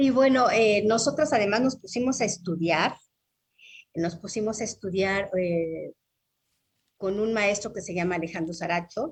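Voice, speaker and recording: A woman speaks at a fairly slow pace with lively intonation, a somewhat breathy voice, and long, frequent pauses. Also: medium pitch for a woman. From Mexico. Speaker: voice actor and dubbing school co-director. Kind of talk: interview answer. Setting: near a busy avenue, remote recording.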